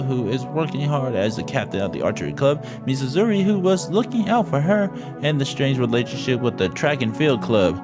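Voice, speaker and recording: A man reading a visual novel aloud as a streamer, with casual, irreverent asides. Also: medium pitch. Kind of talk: casual let's-play translation with commentary. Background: game music.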